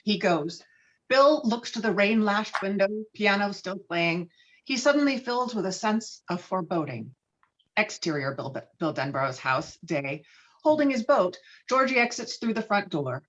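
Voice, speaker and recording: A woman's voice: medium pitch, very animated, normal speed, fairly bright tone. A woman reading screenplay stage directions as dramatic scripted narration. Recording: slightly dull, lo-fi microphone.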